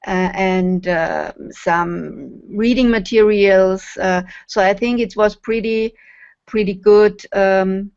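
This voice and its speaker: A woman answering as an interview guest in a halting way with long pauses, on a muffled web call. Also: medium pitch, a little mellow, clean tone. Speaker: guest, course facilitator. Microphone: online video call.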